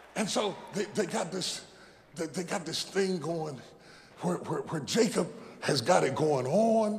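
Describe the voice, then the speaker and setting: The speech comes at a fairly slow pace in an animated tone. Audible room echo and noticeable background noise surround it. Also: man, high pitch for a man, lively intonation. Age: 50s. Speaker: pastor. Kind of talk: sermon. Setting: church with congregation.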